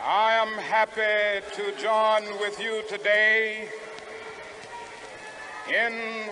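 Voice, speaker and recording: Over noticeable background noise, a man with a high-pitched voice speaks in a raised, projected way. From United States. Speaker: civil rights activist. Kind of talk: public speech to a large outdoor crowd. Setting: outdoors.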